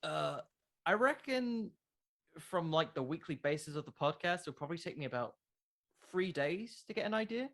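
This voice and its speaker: A man's voice: on the high side, animated, normal speed, gravelly, fairly bright tone. Young man in casual interview chat. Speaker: podcast creator, interview guest.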